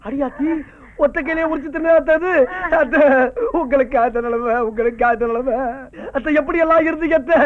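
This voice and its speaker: A high-pitched ranting village clown. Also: male voice, brisk. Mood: mock wailing. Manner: loud, melodramatic wailing and ranting. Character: comic grumbling village husband, fake-grieving son-in-law. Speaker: villager husband. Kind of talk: 1990s film comedy acting. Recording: dull lo-fi film soundtrack.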